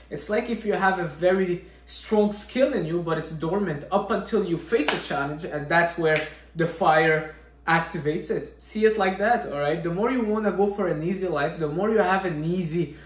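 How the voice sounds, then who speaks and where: A young man with a somewhat high voice, speaking earnestly about discipline as a fitness vlogger. He keeps checking in with his listener. The room around him rings with echo. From Syria. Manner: earnest, repeats "all right?" often. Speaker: fitness vlogger, natural bodybuilder. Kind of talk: motivational talk to camera. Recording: echoey room.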